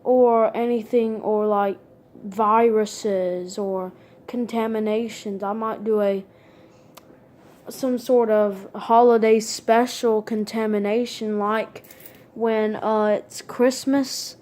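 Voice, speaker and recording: A woman talking casually to viewers as a video creator, in a halting way, listing things one by one. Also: mid-range voice, fairly even intonation, a little mellow. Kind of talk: casual unscripted vlog talk.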